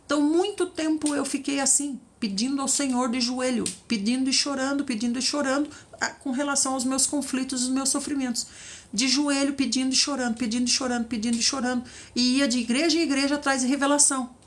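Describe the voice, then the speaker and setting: A woman giving devotional teaching as a preacher, animated and acting out the voices she quotes. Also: high-pitched, fast talker.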